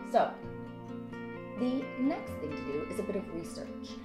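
A woman speaks over loud music in the background. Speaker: voice actor, video host. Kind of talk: conversational instructional. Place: home room.

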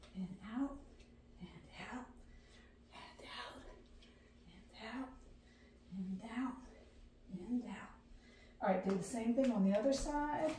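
The speech moves at a fairly slow pace with long, frequent pauses, big swings in loudness and ordinary pitch variation. Audible room echo and light background noise are present. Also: woman, high pitch for a woman. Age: 60s. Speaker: fitness instructor. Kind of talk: workout instruction. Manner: rhythmic counting. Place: home room. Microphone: camera far.

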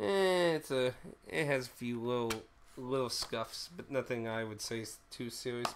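This man talks fairly slowly with ordinary pitch variation while noticeable background noise carries on behind him. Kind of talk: casual vlog chat. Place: home room. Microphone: webcam.

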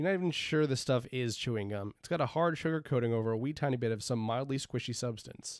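Reading in an unforced voice

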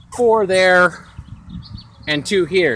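A man is speaking amid noticeable background noise. The sound is dry with no echo. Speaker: road-trip vlogger. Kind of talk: casual vlog chat. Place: street. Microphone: phone near.

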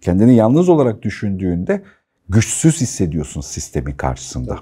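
Against a quiet background, a man with a dark, mellow tone and fairly low pitch talks at a moderate pace. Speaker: podcast co-host. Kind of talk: casual chat. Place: studio. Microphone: lapel.

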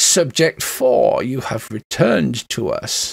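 A man puts on a loud character voice at a medium pitch. He speaks at a fairly slow pace. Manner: commanding.

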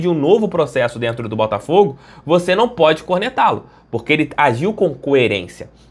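A man speaks at a moderate pace in an animated tone. His pitch sits fairly high. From Brazil. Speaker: football channel host. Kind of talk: casual commentary vlog. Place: home room.

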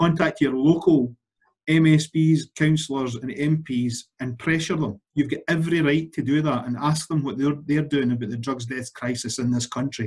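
Against a quiet background, a man with a Scottish accent speaks somewhat breathily at a fairly slow pace with ordinary pitch variation. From Scotland. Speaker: politician chairing a panel. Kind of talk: panel moderation. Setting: video call. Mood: earnest, urging. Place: home room. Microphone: webcam.

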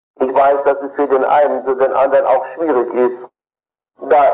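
The setting has a quiet background. Here a man speaks with fairly even intonation. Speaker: speaker. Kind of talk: sermon-like lecture. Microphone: old recording.

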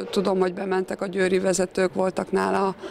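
A woman speaks in a monotone, flat intonation at a medium pitch. The sound is dry with no echo, and there is light background noise. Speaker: handball coach. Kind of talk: interview. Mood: calm, thoughtful. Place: hall. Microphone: handheld.

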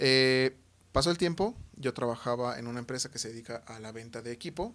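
Here a man is talking. The rise and fall of his pitch is ordinary. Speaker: podcast guest. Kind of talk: interview answer. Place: studio. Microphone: studio mic.

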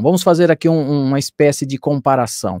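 In a dry sound with no echo and a quiet background, a man speaks in a dark, mellow tone with ordinary pitch variation. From Brazil. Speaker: missionary pastor. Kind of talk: casual interview. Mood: calm, reflective. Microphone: studio mic.

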